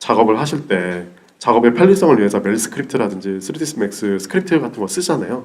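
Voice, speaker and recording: A man's fairly low voice at a very fast pace. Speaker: technical artist presenting a game engine tutorial. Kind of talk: tutorial. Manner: soft-spoken.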